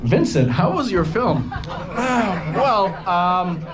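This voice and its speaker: Playful lively-pitched man host. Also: slow, crowd noise. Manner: playful, camp self-mocking. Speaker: host of a screening discussion. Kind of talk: casual onstage interview. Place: screening venue with audience. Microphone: handheld phone. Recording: phone recording with background noise.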